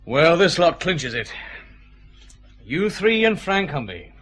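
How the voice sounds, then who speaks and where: A commanding Scottish chief inspector in a radio drama, with a bright, forceful tone. His clipped orders rise and fall with lively pitch. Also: slow, exaggerated voice. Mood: stern. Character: male Glasgow detective chief inspector, commanding.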